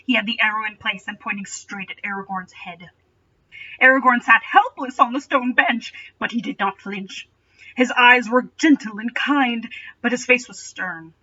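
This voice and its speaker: A woman's voice: a little high, bright, forceful tone. A woman reading a story aloud in a dramatic style, dropping in playful, sarcastic asides. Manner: sardonic, playful. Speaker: reader and commentator. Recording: dull, distant home microphone.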